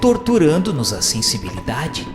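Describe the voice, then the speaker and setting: A man's voice: mid-range voice, wildly swooping pitch, normal speed. Man as a grave narrator in echoing reverb. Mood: grave, observant. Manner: formal, literary, grave. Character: male witness narrating his journey through the spirit underworld. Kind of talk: scripted radio drama narration. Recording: echoey long reverb, faint music. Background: faint music.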